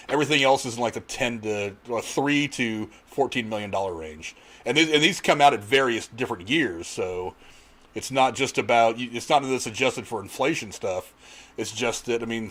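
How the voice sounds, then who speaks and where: A man's voice: mid-range voice, a bit bright. A man with a mid-range voice talks as the host of an informal group discussion. He explains things plainly and likes to illustrate points in a conversational way. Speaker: podcast host. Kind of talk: casual panel discussion.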